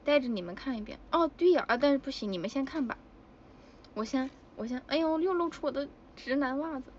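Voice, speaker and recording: A woman's voice: high voice, expressive, brisk, lo-fi sound, a little hiss or hum. A woman chatting casually with fans on a livestream, giggly and exclamatory. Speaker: idol livestreamer. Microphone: phone.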